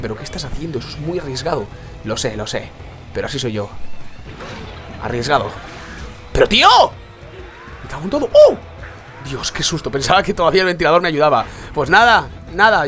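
A young man, commenting on a mobile game he is playing, congested and sore-throated from a cold, swinging between low muttering and excited outbursts. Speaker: gaming YouTuber. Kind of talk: let's play commentary.

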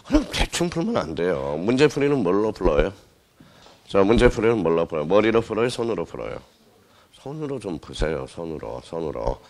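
Deep-voiced male lecturer with a lively, up-and-down delivery. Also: brisk. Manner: asks the class questions and answers them himself, repeats key words. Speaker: exam prep lecturer. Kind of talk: classroom lecture.

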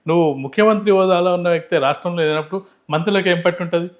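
Male political analyst, brisk delivery, emphatic and explanatory, unscripted. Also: high voice, dull audio. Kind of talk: unscripted political commentary in an interview.

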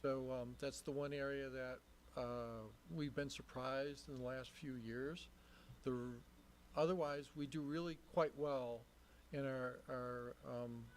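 A man's voice: medium pitch, fairly even intonation, unhurried, slight background noise. A male technology consultant explaining things at a public meeting.

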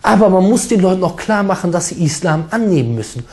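A man preaching a sermon with emphatic, forceful delivery, mixing in Arabic recitation. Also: high voice, very animated, fast talker, slight background noise.

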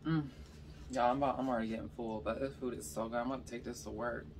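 A young woman with a faintly raspy voice and a slight Californian accent tells stories in a loose, chatty way while eating in her bedroom. She sits a little back from the mic, and a soft room hiss sits underneath her. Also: extremely low pitch, steady tone, fast talker, far from the mic. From Georgia, US South. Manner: chatty storytelling between bites, lots of "like" and "y'all". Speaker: mukbang vlogger. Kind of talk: casual chat while eating. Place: bedroom, indoors.

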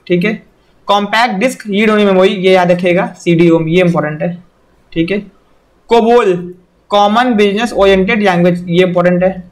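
A young man teaching an exam-prep lesson, who keeps repeating "okay" and "remember this" in a direct, instructive way. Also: high voice. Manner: repeats "theek hai" and "yaad rakhiyega" often, direct instructional.

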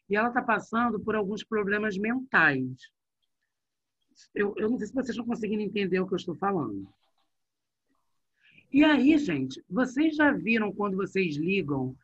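A male teacher talks to his students in a bright, high, husky voice. He is lively and chatty, and speaks close and dry to a computer mic. The audio comes through dull and muffled. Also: dry recording. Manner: lively, chatty, addresses class directly. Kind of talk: online class.

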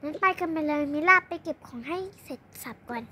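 Voicing every character in a toy roleplay video, a young girl races through a made-up dollhouse family drama in a high, sharp woman's voice. She speaks fast, and there's a little noise in the background.

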